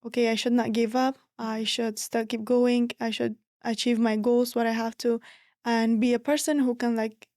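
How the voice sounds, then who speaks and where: A teenage girl from Afghanistan answering interview questions sincerely, pausing with fillers. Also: on the high side, no echo, studio quality. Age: teens. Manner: steady and sincere, with hesitant fillers. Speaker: guest.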